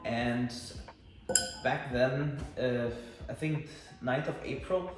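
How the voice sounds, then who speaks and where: A man's voice: mid-range voice, fairly even intonation, takes it slowly, distant mic. A man in his early twenties with a Danish accent, chatting as a podcast host and often searching for words in a second language. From Aarhus, Denmark. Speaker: podcast host, volunteer English teacher. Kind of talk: casual podcast conversation. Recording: very echoey room, off mic, music behind.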